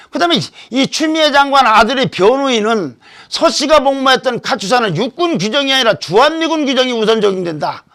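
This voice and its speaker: A man's voice: high-pitched, vocal fry, fairly bright tone. A man hosting a political commentary show, talking emphatically and posing rhetorical questions into a studio microphone.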